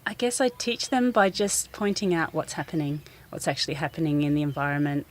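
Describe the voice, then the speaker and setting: New woman, low voice, earnest garden teacher, faint outdoor hiss. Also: animated, fairly quick. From New Zealand. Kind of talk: radio interview, outdoor.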